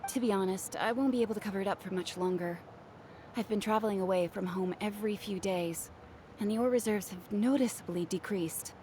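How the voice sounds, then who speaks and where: A woman's voice: medium pitch, a little fast, darkish tone, a little hiss or hum, close to an everyday voice. A woman voicing a kind, anxious jeweler in a video game who rambles apologetically. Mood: worried. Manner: earnest, apologetic, rambles when worried.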